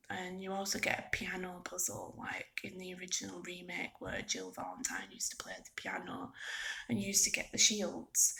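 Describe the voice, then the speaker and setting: Soft, low-pitched woman, creaky half-whisper. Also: rough recording. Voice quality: soft, breathy, often dropping into near-whisper. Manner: rambling, halting, informal. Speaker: video game vlogger. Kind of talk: soft-spoken ASMR ramble, casual.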